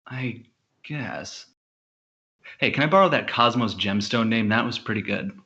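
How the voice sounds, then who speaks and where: Bright-voiced, earnest pompous space hero. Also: male voice, mid-range voice, unhurried, muffled recording. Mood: puzzled, earnest. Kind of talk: audio comedy drama acting.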